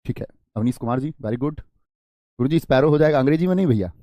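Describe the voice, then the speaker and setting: A man's voice: medium pitch, animated, brisk, dark tone, dry recording, dull audio. A male teacher running a live online grammar class, often asking questions, repeating words and reading out student comments. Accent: Hindi.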